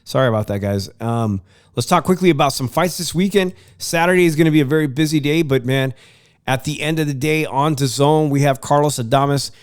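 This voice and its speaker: A man's voice: fairly high pitch, fairly quick, smooth, no echo, studio quality. Congested man hosting a sports podcast. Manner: rambling, restarts with many uhs. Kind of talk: casual sports chat.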